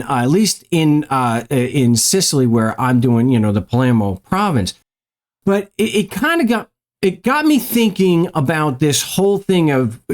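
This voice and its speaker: American guy doing casual commentary, voice a bit on the high side, stop and start, repeats words a lot. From North America. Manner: halting, rambling, repeats words. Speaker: genealogy video host.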